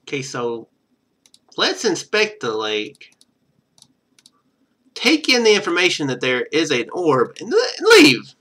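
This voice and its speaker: A streamer with a bright, fairly high voice voices the on-screen narration in an animated way, then turns to casual, sarcastic side comments. He speaks slowly, leaving long pauses.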